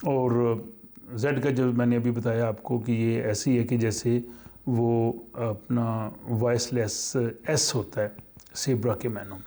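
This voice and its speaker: A man teaches a language lesson at an unhurried, deliberate pace. His voice is dark and mellow, and he pauses often with fillers as he works through each point. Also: mid-range voice, flat delivery. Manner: slow, halting explanation with many fillers.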